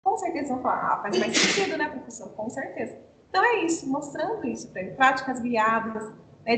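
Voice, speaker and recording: A Brazilian woman explains classroom methods to teachers over a video call, asking questions and then answering them herself. Her voice sits a little high. The sound is roomy and echoey, with a faint low rumble underneath. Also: a bit bright. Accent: Brazilian Portuguese. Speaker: teacher trainer. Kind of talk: online teacher training talk.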